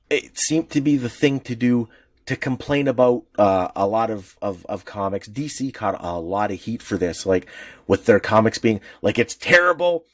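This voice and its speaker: A man co-hosting a podcast in casual chat, rambling and animated, with many restarts. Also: mid-range voice, dry recording, studio quality. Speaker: podcast co-host.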